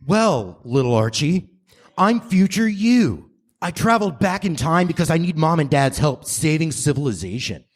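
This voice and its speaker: A man's voice: a little high, very animated, normal speed. A man playing an earnest, urgent grown son from the future in a staged radio play parody, declamatory in his explanations. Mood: earnest explaining.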